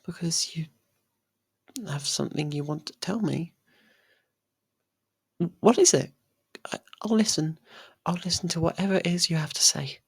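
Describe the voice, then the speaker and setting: A performer voicing a possessive, lovestruck young faerie royal in an intimate ASMR roleplay, speaking softly and haltingly. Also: mid-range voice, vocal fry, breathy edge, no room sound, exaggerated voice. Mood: hesitant, defensive. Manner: hesitant, halting, soft and pleading.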